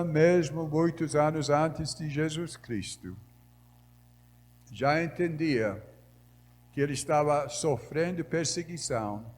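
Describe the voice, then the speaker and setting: A foreign missionary man speaks with a Brazilian Northeastern accent, his first language English. He preaches slowly and carefully, his voice sitting somewhat high for a man. His words ring out through the long reverb of a large church hall. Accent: Brazilian Northeastern Portuguese, as a foreign speaker. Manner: slow, measured preaching that grows louder when reading scripture. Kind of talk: sermon.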